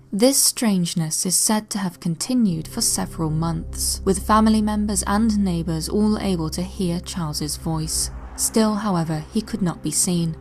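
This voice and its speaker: A woman telling a mystery in scripted narration, measured and now and then dropping to a hushed near-whisper. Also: on the low side.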